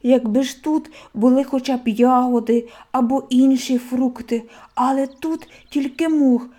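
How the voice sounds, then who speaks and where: A woman voicing an eager, excitable young male hedgehog who exclaims and takes offense easily. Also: high voice, a little slow, voice pushed up. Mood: earnest.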